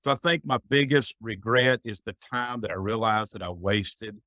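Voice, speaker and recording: A man's voice: lowish voice, moderate pace, bright, forceful tone, dry recording. A middle-aged man speaking as a podcast guest, giving earnest, folksy advice in a reflective conversation. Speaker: guest, business owner.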